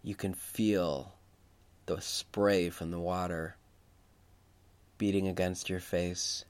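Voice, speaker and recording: A man speaking as a preacher leading a guided Christian meditation, reflective and unhurried, repeating phrases for emphasis. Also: low voice, level tone.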